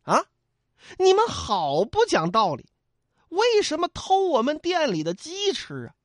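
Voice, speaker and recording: A male storyteller voicing a young inn waiter who complains in a shrill, whining way. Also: huge pitch swings, unhurried, dry recording, clean studio sound, exaggerated voice. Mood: indignant.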